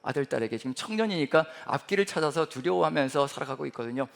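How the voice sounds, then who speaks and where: A middle-aged man with a Gyeongsang Korean accent preaches in a church sanctuary. His voice sits high and swings widely, and it rings with a long reverb through the hall. He is earnest, and he builds to emphatic declarations. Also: expressive, fast talker, gravelly. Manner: earnest, rising to emphatic declarations, voicing God's words tenderly. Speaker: pastor. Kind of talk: sermon.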